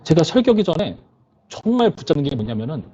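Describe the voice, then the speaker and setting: A man's voice: a little high, big pitch swings, quick pace, warm tone, husky, muffled recording. A male pastor preaching to a youth service in a conversational way, often putting questions to his listeners.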